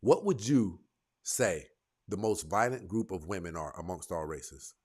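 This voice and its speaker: A man's voice: deep voice, lively intonation, darkish tone, husky. Confrontational male debate show host. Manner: confrontational, fires rapid leading questions. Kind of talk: live call-in debate show.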